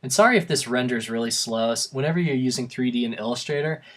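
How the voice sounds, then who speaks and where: A young man talks through a design tutorial in a loose, chatty way, tossing in joking asides. His voice is worn and slightly hoarse from too many takes. It sits at an ordinary middle pitch. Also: fast, fairly bright tone. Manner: casual, rambling, self-deprecating asides. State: voice going hoarse from repeated takes. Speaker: software tutorial host. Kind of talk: screen-recorded tutorial narration.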